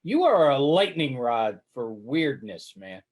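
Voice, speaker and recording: A man's voice: mid-range voice, big pitch swings, slow pace. A man co-hosting a casual podcast, teasing and ribbing his partner playfully. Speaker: podcast co-host, trainer. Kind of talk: casual chat.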